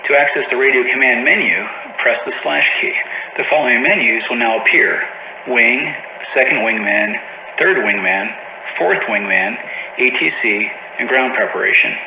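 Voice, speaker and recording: Man narrating instructions in dull, roomy audio. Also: mid-range voice. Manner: measured, matter-of-fact, procedural. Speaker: tutorial narrator for a flight simulator.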